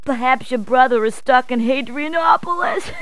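A woman's voice: high-pitched, normal speed, fairly bright tone, slight background noise. A woman voicing a cheery adult policewoman in a game, speaking in upbeat, chatty puns. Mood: cheerful. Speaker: voice actor. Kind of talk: game voice clips.

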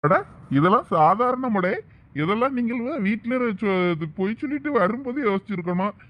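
A man playing a teasing, calm senior student. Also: high voice, normal speed, highs cut off. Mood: reassuring. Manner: teasing, then reassuring and advising. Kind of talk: village comedy skit acting.

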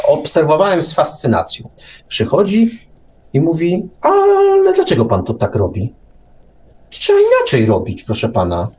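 A man's voice: on the high side, mellow. An older man in casual radio discussion, arguing his points with irony. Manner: argumentative, ironic. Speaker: radio show speaker.

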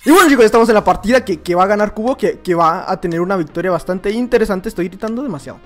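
A young man with a Mexican accent commenting on his own gameplay, excitable and prone to shouts and laughter, muttering to himself between bursts. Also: high-pitched, rapid-fire. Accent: Mexican Spanish. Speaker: gaming YouTuber. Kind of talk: live Minecraft gameplay commentary.

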